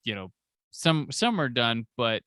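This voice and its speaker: Bright-voiced male podcast host. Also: mid-range voice, very animated, a little slow, no room sound, clean studio sound. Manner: enthusiastic episode recap with jokey asides. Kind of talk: casual chat.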